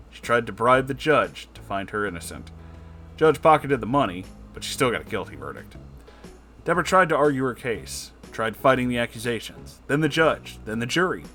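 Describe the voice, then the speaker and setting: A man's voice: mid-range voice, fairly bright tone. A man narrating a comedic story as host, with an emphatic, dramatic storytelling delivery.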